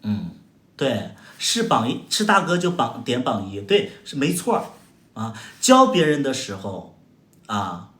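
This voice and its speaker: Slightly slow in delivery, a Heilongjiang livestream host with a Northeastern Mandarin accent chats casually with viewers, trading mocking, combative comebacks and exaggerated exclamations. His pitch leaps up and down with lively animation, ringing out in a roomy, echoey space.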